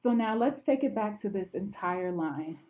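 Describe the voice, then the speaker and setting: A woman's voice: medium pitch, lively intonation, moderate pace, phone-quality sound. A woman learning Igbo in a casual lesson, asking questions and carefully repeating phrases back. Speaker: language learner.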